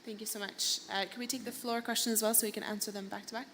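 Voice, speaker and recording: A woman chairing a panel discussion, speaking quickly with careful qualifiers. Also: fairly high pitch, flat delivery, a bit bright. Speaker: moderator. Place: conference hall. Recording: reverberant conference hall with faint noise.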